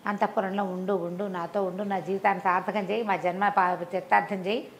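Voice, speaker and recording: A woman storyteller voicing an infatuated king who pleads softly and coaxingly, repeating himself. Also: mid-range voice, level tone, a little fast, close to an everyday voice. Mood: besotted pleading. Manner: soft, coaxing, repetitive pleading.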